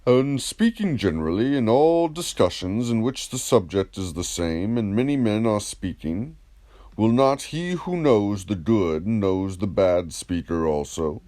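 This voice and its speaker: A man plays a wise ancient philosopher in an audiobook dialogue. He questions politely and methodically in a low, mellow voice, unhurried, with lively rises and falls. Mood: methodical reasoning. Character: wise, courteous Greek philosopher, patiently probing.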